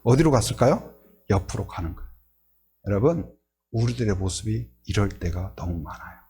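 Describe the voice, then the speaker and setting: A male pastor preaching a sermon, animated, often putting questions to the congregation. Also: lowish voice, moderate pace, a little hiss or hum.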